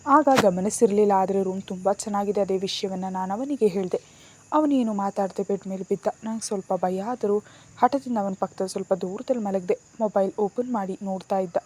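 Woman narrating a romance story, mellow. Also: medium pitch, steady tone, a little fast. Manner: reads both lovers' lines, rising for quoted dialogue. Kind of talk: first-person story narration.

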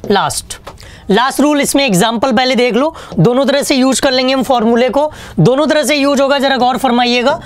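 A man's voice: very high-pitched, brisk, dry recording. A man teaching an online exam-prep English lesson, chatty and joking, asking questions and answering them himself. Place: online class studio with a whiteboard.

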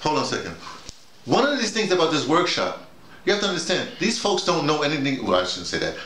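A man's voice: a little high, huge pitch swings, quick pace, pushed and bright, slight background noise. A middle-aged man leading an informal discussion, making his points emphatically with repetition and acted-out examples. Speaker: audio drama workshop leader. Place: small bedroom with bare walls. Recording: roomy, echoey indoor sound.

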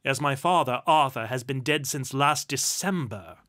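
A man's voice: mid-range voice, very animated, unhurried, pushed and bright. A man voicing a cold, haughty, bitter duke with a dry, cutting, imperious manner, in a storybook reading.

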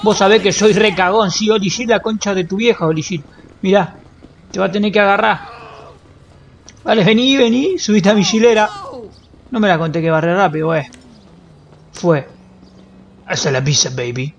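A man's voice: sits high, normal speed, pauses often, dull audio, slight background noise. A young man with a Rioplatense Spanish accent, streaming a roleplay game in a brash, joking, swear-heavy manner. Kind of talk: casual gameplay roleplay stream.

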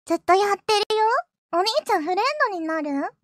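A woman streamer voicing a clingy, possessive yandere little sister, sweet and doting but turning jealous and menacing, sometimes dropping to a hushed whisper. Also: very high voice, fast, no room sound, studio quality. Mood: suspicious, jealous. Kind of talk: live-stream character role-play, reacting to chat.

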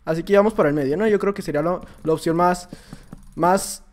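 A young man with a Mexican accent commenting on his own gameplay, excitable and prone to shouts and laughter, muttering to himself between bursts. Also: high voice, fairly quick. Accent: Mexican Spanish. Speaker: gaming YouTuber. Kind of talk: live Minecraft gameplay commentary.

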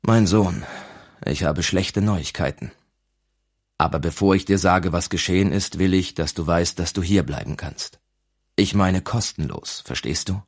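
A man reading as a solemn, kindly old abbot. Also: sits low. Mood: gentle. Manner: gentle, measured, solemn. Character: grave, kindly male abbot, older. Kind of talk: audiobook character reading.

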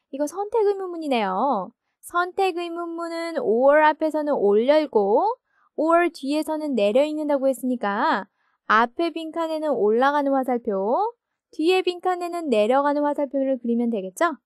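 A woman's voice: high-pitched, animated, normal speed, dry recording, clean studio sound. A woman teaching an English grammar lesson, explaining patiently and often asking check questions.

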